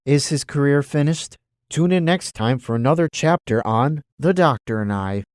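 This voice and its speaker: A man's voice: a little high, lively intonation, moderate pace, no room sound, clean studio sound. A man narrating an audio drama serial as its host, in a theatrical, scripted announcer style. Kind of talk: scripted serial narration, old radio teaser. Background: music.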